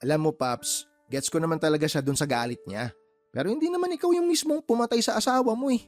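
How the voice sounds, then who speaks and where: A man's voice: on the high side, fast talker, soft background music, natural voice. A man playing a frank young housemate who teases the older father he looks out for, in a radio drama. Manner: teasing and frank, calls him Paps. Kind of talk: Tagalog radio drama acting.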